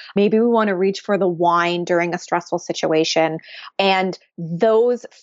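This woman has a normal speaking voice with ordinary pitch variation. Her pace is moderate. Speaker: holistic nutritionist and coach. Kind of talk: explanatory interview.

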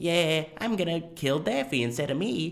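A man puts on a character voice with a fairly high pitch, speaking at a moderate pace over light background noise. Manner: cartoon imitation.

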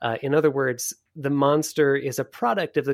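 The recording is very clean, with a silent background and a dry, close sound with no echo. A man talks at a moderate pace. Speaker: podcaster and writer. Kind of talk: interview, casual conversation. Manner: halting, self-repeating.

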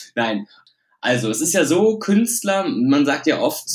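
Very wide swings in pitch from a man talking rather slowly. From Rhineland, Germany (Hilden near Düsseldorf). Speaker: magician and motivational speaker. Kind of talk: podcast interview.

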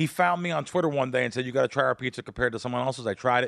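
In an ordinary speaking voice, a man speaks at medium pitch with ordinary pitch variation, recorded dry and close with no echo over a quiet background. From New Jersey, Jersey Shore (born in the Bronx). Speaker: sports bettor. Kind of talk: casual interview. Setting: studio.

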